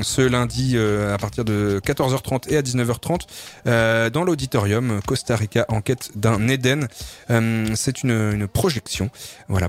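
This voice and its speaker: A male radio host talks through the local listings from a studio mic, his voice sitting at an ordinary middle pitch. He stumbles and restarts often, filling gaps with fillers, and slips in small jokes along the way. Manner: loose, hesitant, many fillers, jokey. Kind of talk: casual radio chat and listings.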